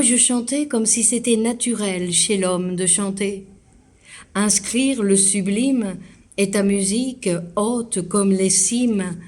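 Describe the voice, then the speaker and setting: Female poetry reader, mid pitch, very unhurried, deliberate phrasing, literary and dramatic delivery. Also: darkish tone. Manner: measured, deliberate phrasing with pauses.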